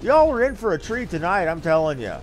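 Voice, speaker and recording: A man's voice: high-pitched, big pitch swings, brisk, a little hiss or hum. A man giving casual, folksy live commentary as he streams a game, swearing now and then. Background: video game music.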